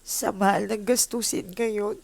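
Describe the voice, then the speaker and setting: A woman's voice: mid-range voice, steady tone, unhurried, creaky, darkish tone, slight background noise. A woman giving a casual tarot reading, emotional and speaking straight to her viewers, mixing Tagalog with English. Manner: addresses viewers directly. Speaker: tarot reader.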